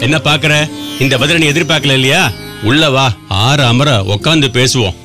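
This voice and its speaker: A learned temple priest in a radio thriller. His voice is fairly high and very bright, with a sharp edge. He teases knowingly and sounds sure of himself, over faint music. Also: steady tone, normal speed. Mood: approving, assured. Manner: knowing, teasing, rhetorical questions. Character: learned, teasing Brahmin temple priest, self-assured and enigmatic. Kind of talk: radio drama acting.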